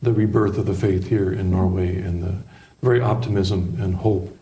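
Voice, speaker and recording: A man hosting a program, asking questions with gentle prompts and brief affirmations. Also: sits low, steady tone, normal speed. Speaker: TV program host. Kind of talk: interview hosting.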